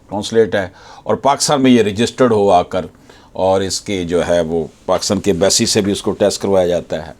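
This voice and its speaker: A man with a Pakistani accent giving a legal lecture as an advocate, deliberately reading out passages and then explaining them. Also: fairly low pitch, darkish tone. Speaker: advocate explaining case law.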